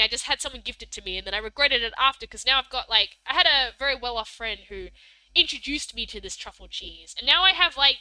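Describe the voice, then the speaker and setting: A bubbly young Australian woman chats on a live stream, high-pitched and very bright in tone. Her voice leaps up and down constantly as she giggles and rambles with lots of fillers. The sound is close and dry. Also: no room sound, rough recording. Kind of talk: casual live-stream chat, reading chat messages.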